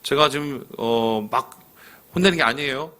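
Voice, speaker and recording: A male pastor preaching a sermon in a church in a colloquial, animated way, acting out the people he quotes. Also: mid-range voice, moderate pace. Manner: leads the congregation in reading aloud. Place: church sanctuary.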